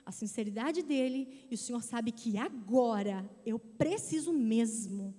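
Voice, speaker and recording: A woman in her thirties giving a testimony in a sermon, telling her story in a lively way and speaking directly to the church. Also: a little high, measured pace. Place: church sanctuary. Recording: church hall reverb.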